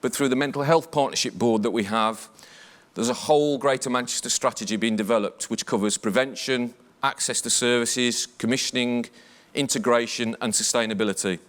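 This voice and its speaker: Black Country man, senior police officer, formal measured conference talk, mid-pitched. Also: fairly even intonation, a bit bright. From English West Midlands. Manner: measured, formal briefing delivery. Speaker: police chief superintendent. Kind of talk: conference presentation.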